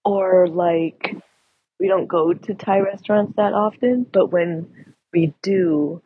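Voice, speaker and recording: This is a woman guest on a podcast, talking about her life in a loose, chatty way and laughing often. Her voice is very husky and breathy and sits a little low, and it comes over a dull, lo-fi recording. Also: takes it slowly, no echo. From United States. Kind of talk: casual chat.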